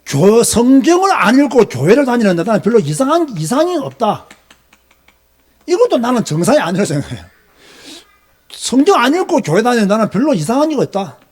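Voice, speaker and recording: Extremely high-pitched and very animated, a middle-aged man with a Gyeongsang Korean accent lectures from the pulpit a little fast. His preaching is emphatic and scolding, packed with rhetorical questions.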